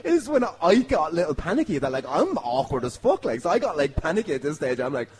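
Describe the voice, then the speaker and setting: An Irish man hosting a podcast, telling a comic story to friends in a sweary, animated way. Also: a little high, fast talker. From Ireland. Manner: animated, sweary, punctuated by laughter. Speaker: podcast host. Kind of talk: comic anecdote among friends.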